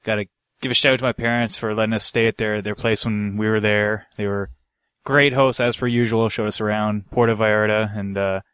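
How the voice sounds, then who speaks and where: A man's voice: fairly low pitch, steady tone, a little fast, fairly bright tone, clean tone, no echo. A man co-hosting a podcast, telling anecdotes in a casual, slangy, rambling way with some swearing. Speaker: podcast co-host.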